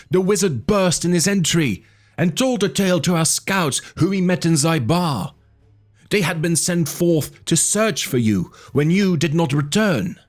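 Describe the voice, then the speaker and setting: A man's voice: fairly high pitch, voice pushed up. A man reading aloud and voicing a gaunt, furious old male tribal chief who screeches his accusations in a frenzy.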